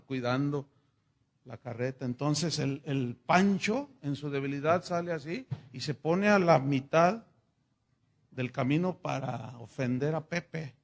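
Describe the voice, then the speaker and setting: A man, a pastor telling a story in a sermon, animated and chatty with fillers. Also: on the high side.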